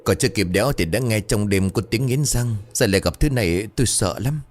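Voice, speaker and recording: A man voicing a frightened old wife who begs her husband in a shrill, panicky voice. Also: lively intonation, fairly quick, faint music behind, natural voice. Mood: pleading. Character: terrified old village wife, pleading.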